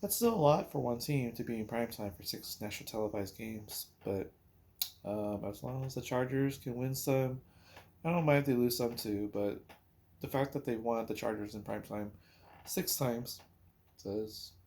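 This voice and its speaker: A man hosting a casual sports talk podcast, thinking aloud in a rambling, hesitant way with pauses as he recalls things. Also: mid-range voice, gravelly, darkish tone, slight background noise. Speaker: podcast host.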